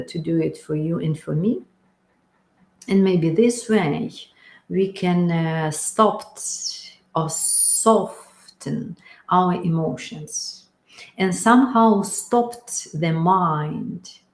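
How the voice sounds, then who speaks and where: Slow, gravelly-voiced woman in an echoey room. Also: lowish voice. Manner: slow, calm, pausing often with fillers. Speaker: spiritual teacher. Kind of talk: guided meditation talk. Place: room in a house. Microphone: webcam or phone camera.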